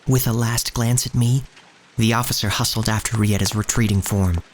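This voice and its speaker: A man's voice: fairly low pitch, fairly even intonation, normal speed, slight background noise, close to an everyday voice, rough recording. A man playing a wary young street thief who tells his own story as scripted audio drama narration. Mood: tense, watchful. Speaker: narrator and lead actor. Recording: music bed under the voice.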